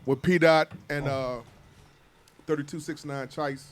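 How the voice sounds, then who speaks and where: A man's voice: a little high, fairly even intonation, unhurried, clean tone. A male radio host in a casual interview, hyped, loose and joking with his guest.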